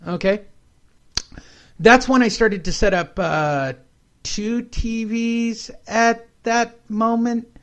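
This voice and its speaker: A man's voice: extremely high pitch, steady tone, slow, a bit bright. A man hosting a casual podcast chat who rambles and cracks jokes. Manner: rambling, wisecracking. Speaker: podcast host.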